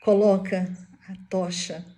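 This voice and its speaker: Female devotional speaker, slow and warm, dramatic storyteller. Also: medium pitch, level tone. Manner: dramatic storytelling, acts out quoted voices. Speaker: spiritist speaker.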